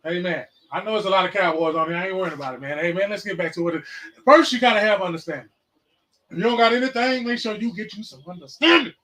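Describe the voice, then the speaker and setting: A man in his forties hosting a casual livestream podcast, mixing loud, repetitive outbursts with profane, slangy sermon-like talk. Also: high-pitched, quick pace. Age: 40s. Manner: profane, slangy, calls out viewers. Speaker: podcast host. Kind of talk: casual preaching and chat. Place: livestream, home setup.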